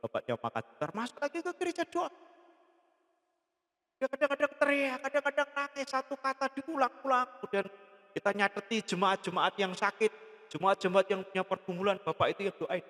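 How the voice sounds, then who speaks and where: High-voiced man preaching in a reverberant church. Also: fast talker. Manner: lively storyteller acting out dialogue. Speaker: pastor. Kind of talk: sermon with storytelling. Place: large church hall.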